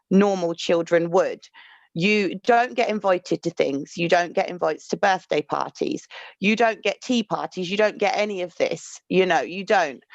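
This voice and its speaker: A woman's voice: lowish voice, no room sound. A woman talking in a heartfelt, emotional way as a podcast host in casual chat. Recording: dry, dull lo-fi audio.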